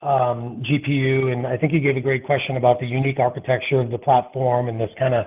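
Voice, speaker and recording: A man's voice: medium pitch, flat delivery, fast talker. A man speaking as a financial analyst, putting unscripted questions in a hesitant, roundabout way. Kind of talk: unscripted earnings call question. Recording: phone-like conference call line.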